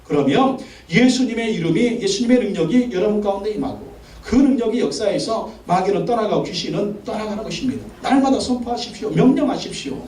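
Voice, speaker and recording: A man's voice: high-pitched, a little fast, few pauses, a crowd in the background. A man preaching a Sunday sermon as pastor, making emphatic commanding declarations and repeating phrases for emphasis. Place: large church sanctuary. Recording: echoey sanctuary, mic from a distance.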